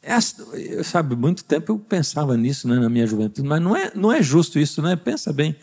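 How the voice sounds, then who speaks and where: Man, Brazilian Portuguese accent, pastor, sermon, conversational, lively pitch, slightly raspy. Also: a little fast. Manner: conversational, quizzes the congregation with rhetorical questions. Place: church service.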